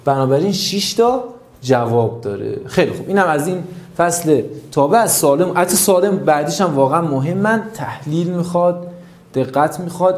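A man's voice: a little high, a little mellow. A man from North Khorasan with a mixed Mashhadi accent, teaching a math lesson and explaining step by step while counting points aloud. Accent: mixed Mashhadi Persian. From North Khorasan, Iran. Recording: roomy echo.

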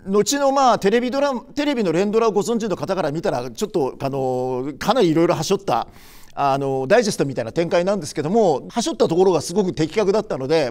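A man in his sixties hosting a show, explaining film history in a chatty way with many short filler pauses. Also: fairly high pitch, a little mellow. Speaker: film commentary host. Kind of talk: casual film commentary.

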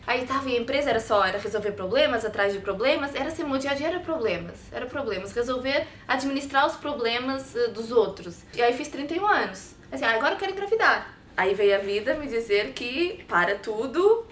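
Interview guest: woman, 30s, European Portuguese accent, expressive storyteller; lapel mic, slight room echo. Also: fairly high pitch, fairly quick, few pauses, slight background noise. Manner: expressive, talks with her hands. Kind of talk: personal story in a sit-down interview. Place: bright studio set with sofa and shelves.

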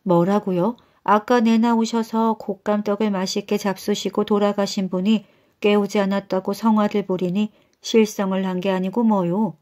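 A woman's voice: mid-range voice, little pitch movement, normal speed, a little mellow, natural voice. Woman voicing an indignant village wife. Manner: retorting, indignant. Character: sharp-tongued middle-aged village wife.

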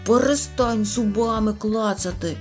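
A woman's voice: medium pitch, measured pace, a little mellow, faint music behind, lightly acted. A fussy little grouch from a storybook grumbles at everyone around him, as a woman reader puts him on. He talks in an irritable, scolding way. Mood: grumbling.

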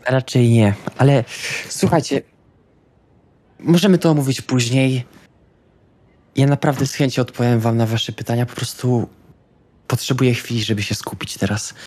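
A man's voice: medium pitch, normal speed, pauses often, darkish tone, no room sound. A man talking casually and politely, with some hesitation, as a player in a tabletop role-playing game. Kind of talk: casual in-character conversation.

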